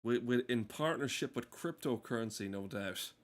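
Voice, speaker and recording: A man's voice: mid-range voice, moderate pace. A man giving casual, rambling gameplay commentary in a sardonic, exasperated and sweary way. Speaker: game streamer.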